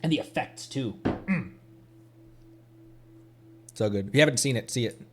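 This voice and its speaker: A man's voice: medium pitch, lively intonation, a little slow, background noise. Male streamer, casual chatter, rambly, laughs a lot. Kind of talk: casual live-stream commentary. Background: game music.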